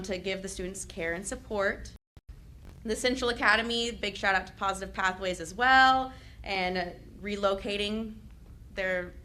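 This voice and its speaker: A young woman who is a teacher reads shout-outs at a school board meeting, chatty and loud, with laughing asides. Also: mid-range voice, slight background noise. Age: young adult. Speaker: teachers association representative.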